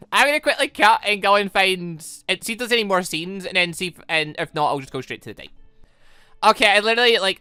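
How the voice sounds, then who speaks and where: A woman's voice: lowish voice, bright, forceful tone, dry recording. A woman giving casual, chatty let's-play commentary on a visual novel, rambling through giggly asides. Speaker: gaming video host.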